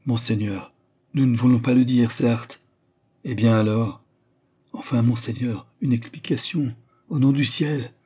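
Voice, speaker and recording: A man's voice: mid-range voice, steady tone, measured pace, mellow, slightly rough. A man doing a frantic, pleading jeweler. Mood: desperate. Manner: pleading, insistent. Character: anxious, pleading male court jewelers.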